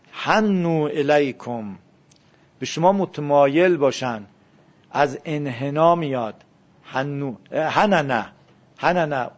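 A man teaching a classroom lesson, questioning his students and drilling word forms aloud. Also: fairly high pitch. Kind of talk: classroom lesson on Arabic grammar. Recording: dull lo-fi classroom recording.

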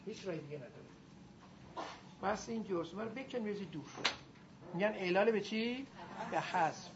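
Woman teacher lecturing a class. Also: medium pitch. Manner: lively, drills the class in call-and-response. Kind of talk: classroom lecture on Arabic grammar. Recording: muffled recording with faint noise.

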